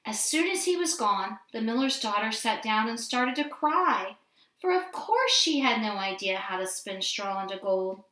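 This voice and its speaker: Female children's storyteller, fairly high voice, expressive read-aloud, recorded in an echoey room. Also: moderate pace. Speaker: storybook reader. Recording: roomy indoor echo.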